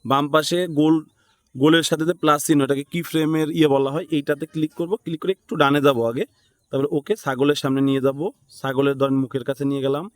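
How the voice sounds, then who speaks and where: A man's voice: on the high side, fairly even intonation, fast, no echo. Bangladeshi man giving an informal tutorial. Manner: thinks aloud, checks in with listeners. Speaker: tutorial instructor. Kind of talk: informal step-by-step screen tutorial.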